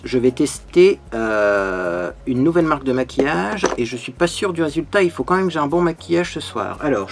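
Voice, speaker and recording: A man hosting a makeup tutorial, talking in a bubbly, chatty way and often tagging his sentences with little fillers. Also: fairly high pitch. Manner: bubbly, chatty, peppered with "hein". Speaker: beauty vlogger.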